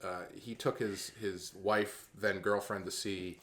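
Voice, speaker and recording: A man co-hosting a podcast in casual chat, talking in a relaxed, hesitant way with many restarts. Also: low voice, slow pace. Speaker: co-host.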